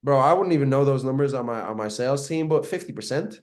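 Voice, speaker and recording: A man's voice: medium pitch, expressive, fast. A young man talks over a video call as a podcast guest. He is brash and profane, speaks in bursts and often repeats himself. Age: 20s. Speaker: guest, marketing agency owner. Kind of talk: casual podcast interview.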